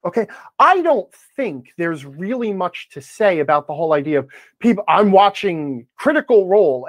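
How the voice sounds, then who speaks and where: A middle-aged man debating conversationally as a podcast guest, assertive and quick to interject with pointed questions. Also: high voice, fairly bright tone, dry recording. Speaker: podcast guest, game-advice blogger.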